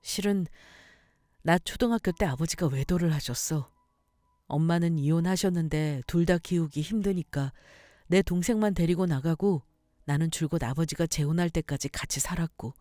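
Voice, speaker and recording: A woman's voice: deep voice, normal speed, warm tone, no room sound, studio quality, close to an everyday voice. A woman voicing a remorseful husband who earnestly confesses a family secret in a storybook reading. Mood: apologetic. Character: remorseful husband, adult man, pleading.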